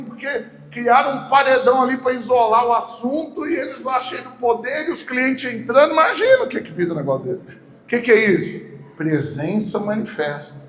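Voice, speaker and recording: A Brazilian man with a Goiás accent, preaching a sermon as a pastor and telling a story with acted-out dialogue that swings from hushed to loud. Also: very high voice. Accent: Goiás Brazilian Portuguese. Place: large church hall. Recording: echoey church hall, faint background noise.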